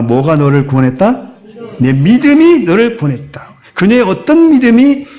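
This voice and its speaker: A man preaching a sermon as pastor, asking rhetorical questions and acting out the story. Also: fairly high pitch. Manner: animated, acts out the story in quoted voices, asks rhetorical questions. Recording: dull lo-fi recording.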